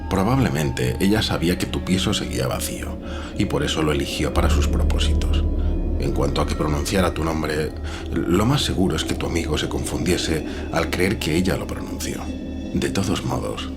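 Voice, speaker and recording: An actor playing a calm, rational editor friend in an audio horror drama, measured and reassuring, with music behind. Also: male voice, very deep voice. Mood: reassuring, reasoning.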